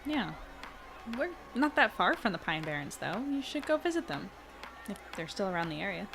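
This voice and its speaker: A woman's voice: medium pitch, big pitch swings, normal speed, gravelly. An actress playing a friendly, talkative, wry young woman in a naturally acted audio drama. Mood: concerned, curious.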